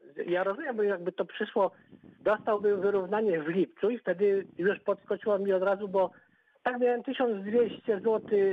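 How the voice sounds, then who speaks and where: This man's high-pitched voice moves at a moderate pace. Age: 60s. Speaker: caller, pensioner. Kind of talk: phone-in question. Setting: phone call.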